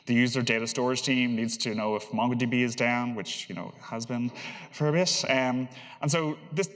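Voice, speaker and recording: A man's voice: mid-range voice, fairly even intonation, fairly bright tone. Man presenting in a reverberant hall. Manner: hesitant, halting delivery with repeated words. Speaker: conference speaker, engineer. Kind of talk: informal technical conference presentation. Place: large conference hall, on stage.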